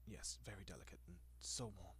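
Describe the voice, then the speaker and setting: A man acts a centuries-old vampire in intimate roleplay audio, coaxing softly with lingering pauses in a refined, courteous manner. His fairly low, husky voice is expressive and exaggerated, doting and possessive, with a savoring mood.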